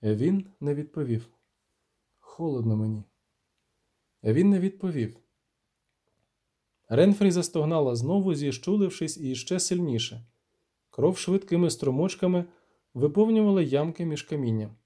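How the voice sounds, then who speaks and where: A man narrating a fantasy audiobook in a measured, steady storytelling manner. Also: fairly high pitch.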